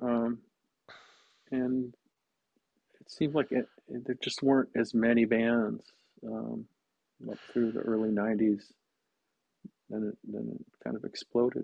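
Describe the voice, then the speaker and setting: Dry and close with no echo, a man's medium-pitched voice has a dark, mellow tone, a fairly slow pace, flat monotone intonation, long, frequent pauses, and big swings in loudness. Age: 60s. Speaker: rock musician and teacher. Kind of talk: casual interview conversation.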